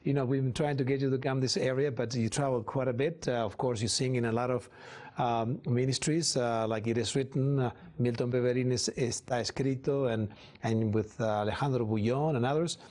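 A man hosting a Christian music TV show who interviews his guest, often pausing on fillers and chiming in with affirmations. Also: medium pitch, fairly even intonation, darkish tone. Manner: hesitant with fillers, frequent affirmations. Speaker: host.

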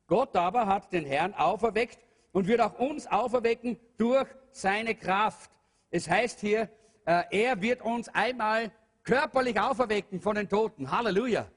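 A man's voice: sits high, expressive, moderate pace, slightly rough. A man preaching a sermon to a congregation, earnest, with many fillers and rhetorical questions. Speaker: pastor. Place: church hall. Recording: long hall reverb.

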